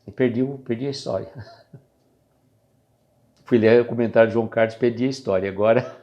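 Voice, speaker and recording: A man's voice: mid-range voice, steady tone, a little fast, warm tone, highs cut off. Chatty Brazilian man reflecting on patience. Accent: Brazilian Portuguese. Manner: conversational, chatty, greets viewers, loses his thread. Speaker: host of a live stream. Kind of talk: casual spiritual reflection.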